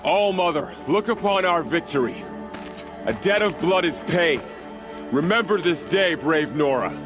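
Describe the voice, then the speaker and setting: A man's voice: a little high, animated, measured pace. A man playing a proud, devout tribal warrior in a video game, addressing the tribe in a reverent, declamatory way. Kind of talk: video game dialogue, victory invocation. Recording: clear music behind the voice.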